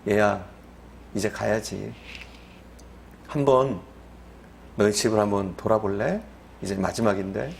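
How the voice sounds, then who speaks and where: A man's voice: fairly low pitch, a little slow, vocal fry, long pauses, slight background noise. A man voicing the Lord in a sermon story, speaking tenderly and coaxingly, as if to a child. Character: the Lord, a gentle fatherly male voice. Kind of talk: acted quote within a sermon.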